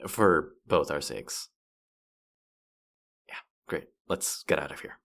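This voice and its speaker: A man's voice: very deep voice, slow, vocal fry, a bit bright, heavily acted. A man playing a playful, boastful demon guide to the afterlife in a roleplay audio drama, with a smug, teasing, theatrical delivery. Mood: alarmed, sheepish.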